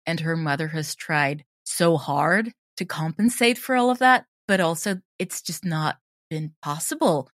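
Thoughtful woman with a lowish voice. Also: unhurried, no echo, clean studio sound. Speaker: audio drama creator being interviewed. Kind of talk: reflective conversational interview about craft.

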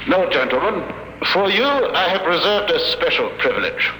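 Gloating evil professor, old radio play, bright forceful voice, echoey and hissy. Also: male voice, sits high, sing-song, moderate pace, exaggerated voice. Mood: smug gloating. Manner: pompous, formal, menacing. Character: gloating, megalomaniac European scientist villain, male. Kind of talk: 1950s radio drama acting. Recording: echoey, noisy vintage 1950 radio broadcast.

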